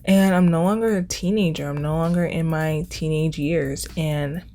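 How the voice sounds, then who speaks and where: A woman's voice: sits low, fairly even intonation, moderate pace, dark tone. A twenty-year-old woman hosting a casual solo podcast, talking in a chatty, informal way and repeating words for emphasis. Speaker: podcast host.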